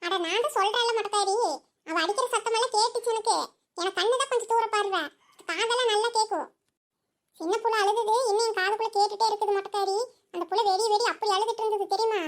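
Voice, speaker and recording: A woman voicing a nosy, insistent village gossip in a cartoon, talking breathlessly with chuckling asides. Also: very high voice. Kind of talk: cartoon voice acting.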